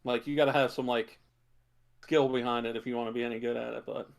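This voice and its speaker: A man chatting casually as a podcast co-host, in a halting way full of filler words and hedges. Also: mid-range voice, steady tone, vocal fry. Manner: halting, hedging delivery with many filler words. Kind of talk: casual chat about video game movies.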